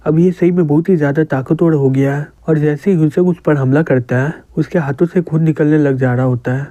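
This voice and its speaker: A man's voice: on the high side, brisk, no echo. A man narrating a comic recap, retelling the story steadily and reading out what each character says. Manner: steady retelling with reported speech.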